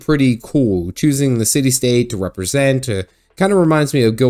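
The reading voice is natural and the intonation lively.

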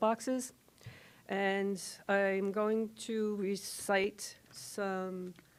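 In a very clean recording with a silent background, a woman with a New Jersey accent speaks at a medium pitch with fairly even intonation. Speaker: public commenter at a county meeting. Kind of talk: public comment statement. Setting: county commission meeting room.

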